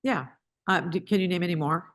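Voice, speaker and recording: A moderator asking a guest questions on a video call, rushing and breaking off mid-word. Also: medium pitch, fairly bright tone, dry recording, clean studio sound. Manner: rushed, trailing off mid-word. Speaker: session moderator.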